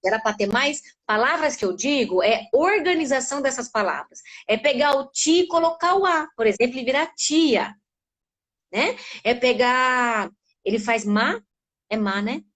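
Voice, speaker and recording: With a voice that sits high and a moderate pace, a middle-aged Brazilian woman gives an animated live webinar as a speech therapist. She uses her voice to act out the sounds she describes.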